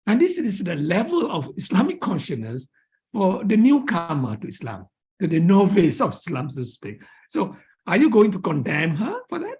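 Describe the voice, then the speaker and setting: Animated Malaysian male lecturer, swooping delivery. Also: high-pitched, moderate pace. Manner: emphatic, repeats key phrases. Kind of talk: academic lecture and question answering.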